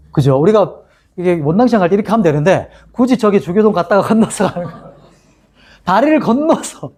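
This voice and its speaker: A man's voice: high-pitched, darkish tone. A male pastor teaching a Bible-study sermon in a chatty way, asking his listeners questions and laughing often.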